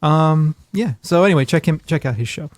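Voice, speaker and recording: A man's voice: on the high side, fairly quick, dry recording, clean studio sound. A man co-hosting a podcast in casual chat, rambling and self-deprecating with jokes. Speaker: podcast co-host.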